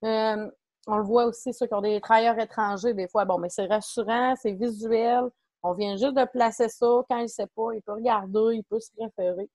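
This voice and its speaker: Québécois woman presenter, fairly high, dry close sound, loose and chatty. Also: fairly even intonation, moderate pace, a little mellow, no room sound. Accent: Québécois French. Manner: chatty and informal, many fillers and self-corrections. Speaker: farm community support worker. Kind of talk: online workshop presentation.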